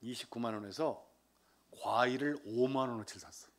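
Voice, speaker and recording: A man's voice: medium pitch, moderate pace. A man in his sixties from Seoul giving a humorous church testimony, telling the story with life and acting out the voices of others. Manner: lively storyteller, acts out quoted voices. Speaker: lay deacon giving testimony. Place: church service.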